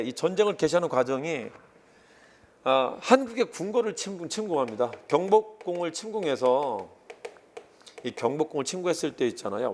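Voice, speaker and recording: A man explains exam history questions at a rapid clip in a casual, chatty way. His voice sits a little high and rises and falls a lot as he acts out scenes. The delivery is quick and loose, like a tutor in mid-flow. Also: a little hiss or hum. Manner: animated, casual, acts out quoted lines. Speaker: history lecturer. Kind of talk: exam-prep lecture.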